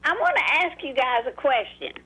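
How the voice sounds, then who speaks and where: A woman's voice: sits high, huge pitch swings, fairly quick, crowd noise. A woman in her eighties calling in to a talk radio show, chatty and affectionate, often repeating words. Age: 80s. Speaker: caller. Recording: phone line.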